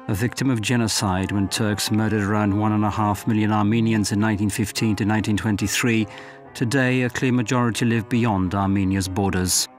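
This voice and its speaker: A man giving measured, formal scripted narration for a documentary. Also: fairly low pitch, steady tone. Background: music.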